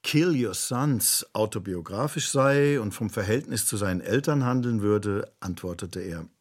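A man reading scripted narration for a radio play in a measured, literary way. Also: lowish voice, expressive.

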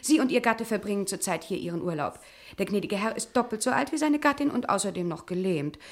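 An actress playing a formal, snobbish servant in a German radio crime play, with a haughty, ceremonious manner. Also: female voice, medium pitch, animated, quick pace, lightly acted. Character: formal, snobbish female villa servant showing visitors around.

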